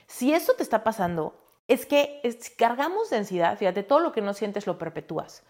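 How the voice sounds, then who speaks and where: A woman with a Mexican Spanish accent, a spiritual coach telling a personal story in a candid, expressive way and speaking straight to the listener. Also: mid-range voice, brisk.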